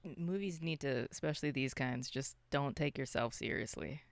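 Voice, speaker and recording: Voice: mid-range voice, moderate pace, vocal fry, dry recording. A podcast co-host chatting casually about films in a loose, rambling, unscripted way. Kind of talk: casual unscripted film discussion.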